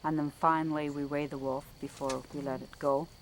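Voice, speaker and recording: A woman's voice: low-pitched, flat delivery, fairly quick, a little hiss or hum, low-quality recording. A woman researcher explaining her fieldwork carefully, step by step, in a documentary interview. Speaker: wildlife researcher.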